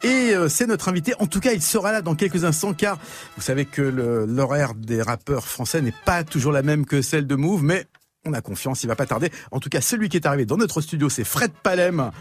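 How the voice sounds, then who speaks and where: A man hosting a radio music show, introducing guests in chatty, fluent presenter patter with a husky voice. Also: on the high side, lively intonation, a little fast. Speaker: radio host. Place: radio studio.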